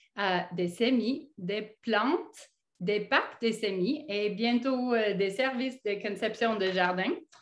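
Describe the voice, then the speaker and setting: Very slowly, a woman with an English accent speaks in a medium pitch with ordinary pitch variation. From United States. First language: English (speaking French). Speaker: gardening speaker and seed seller. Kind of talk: online talk. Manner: halting, many fillers.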